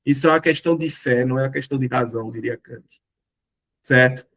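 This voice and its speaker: A man's voice: medium pitch, fast talker, fairly bright tone. A Brazilian man hosting a casual philosophy discussion, explaining ideas with rhetorical questions and frequent tag questions. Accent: Brazilian Portuguese. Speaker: discussion group host.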